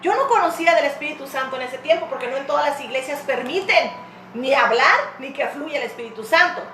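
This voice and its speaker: A woman's voice: high voice, expressive, fairly quick, bright, forceful tone, echoey room, slight background noise, poor audio. A woman pastor preaching a sermon with passion, sometimes acting out tearful prayers.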